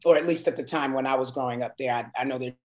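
Low-voiced woman telling lively stories. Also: very fast. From New York. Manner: warm, expressive storyteller with emphatic asides. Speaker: guest singer. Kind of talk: casual interview chat.

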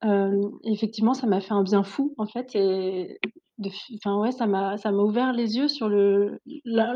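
Laughing French woman, dark lo-fi sound. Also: mid-range voice. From France. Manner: laughs often, many fillers and restarts. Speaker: Ayurvedic therapist, guest. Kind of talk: casual interview.

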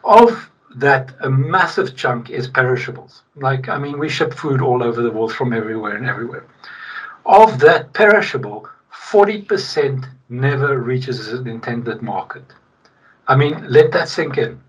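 A man's voice: mid-range voice, lively intonation, normal speed, husky. A man from South Africa with a South African accent, talking conversationally as an interview guest, emphatic and repeating key points for weight. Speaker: podcast guest, logistics technology executive. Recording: distant, slightly muffled mic.

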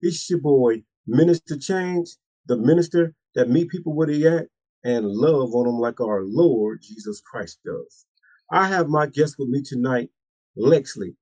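A husky-voiced man hosts a faith interview as a minister, with a preacher's cadence and a steady stream of amens. The sound is dry and close, with no room around it. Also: mid-range voice, a little slow, no room sound, rough recording.

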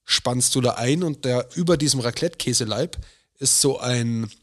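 A man's voice: mid-range voice, normal speed. A man hosting a casual podcast chat, presenting facts and explaining with restarts and hesitations.

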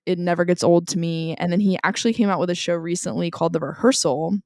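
A woman's voice: lowish voice, steady tone, quick pace, a little mellow, no room sound, clean studio sound. A woman co-hosting a podcast in casual chat, chatty and laughing often, with plenty of fillers. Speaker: podcast co-host.

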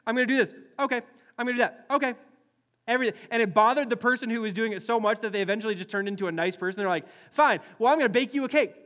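A young man from Wisconsin preaching a sermon as a pastor, animated and acting out quoted voices with many restarts. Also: extremely high pitch. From Wisconsin, US Midwest.

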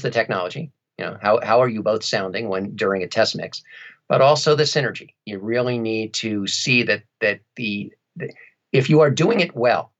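A man with a fairly low voice talks as an interview guest. He explains things in a measured, instructive way, over audio that is a little dull and lo-fi. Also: fairly bright tone. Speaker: podcast guest, audiobook narrator and producer. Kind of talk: interview conversation, giving advice.

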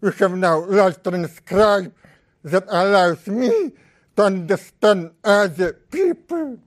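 Slow-speaking man with a strong Russian accent. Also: high voice, expressive. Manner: slow, deliberate, halting speech. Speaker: research scientist. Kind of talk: conference talk.

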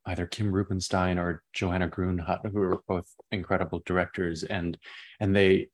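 A young man with a naturally deep voice, a playwright answering interview questions in an expansive, enthusiastic way that drifts into tangents. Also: flat delivery, normal speed. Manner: expansive, enthusiastic, prone to tangents and repeated words.

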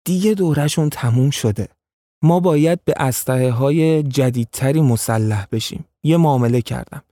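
Brief: a man voicing a calculating tribal chief in an audio story, mellow and dry. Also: medium pitch, no room sound, close to an everyday voice. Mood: calm. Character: scheming powerful male tribal chief.

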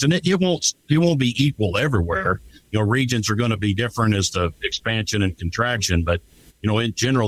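A man's voice: lowish voice, rough recording. A man with a folksy, plain-spoken way of talking, giving conversational market commentary as a guest. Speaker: guest, livestock marketing rep and cattle owner.

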